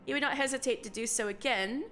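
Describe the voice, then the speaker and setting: A woman reading the part of a calm, formal woman leader, in a measured, formal manner. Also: sits high. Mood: grave counsel.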